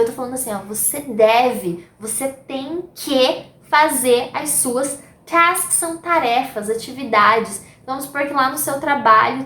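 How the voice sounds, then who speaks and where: A woman's voice: high-pitched, a bit bright, echoey room. A Brazilian woman teaching an English grammar lesson, explaining patiently step by step. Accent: Brazilian Portuguese.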